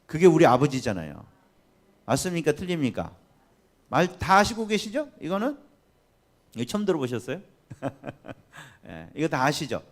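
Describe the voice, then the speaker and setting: A male pastor delivering a Sunday sermon in a church sanctuary. His pitch swings widely as he preaches. He keeps turning to the congregation with questions. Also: normal speed, long pauses. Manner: animated, often acting out quoted voices and asking the congregation questions.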